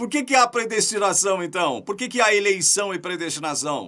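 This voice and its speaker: This man speaks with a Brazilian accent. His tone is bright and sharp. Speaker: online preacher. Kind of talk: sermon. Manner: emphatic, repetitive exhortation.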